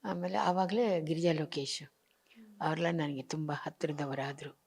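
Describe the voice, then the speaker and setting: A woman's voice: low voice, fairly even intonation, moderate pace, vocal fry, a little mellow, breathy edge. Older woman, actress, heartfelt interview, reminiscing, slips into English, acts out remembered conversations. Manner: mixes in English phrases, acts out remembered dialogue. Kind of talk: emotional personal interview.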